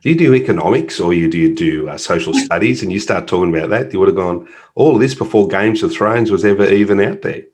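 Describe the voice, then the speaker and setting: Man, deep low voice, chatty upbeat interview host, video call. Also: expressive, fast talker, few pauses, darkish tone, husky. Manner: chatty, jokey, enthusiastic. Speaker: podcast host. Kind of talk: casual interview chat.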